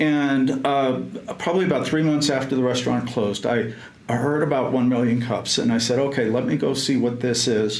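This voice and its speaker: With audible room echo and noticeable background noise, a man at a medium pitch speaks at a fairly quick pace in a fairly even intonation. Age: 60s. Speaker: entrepreneur and publisher. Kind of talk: podcast interview.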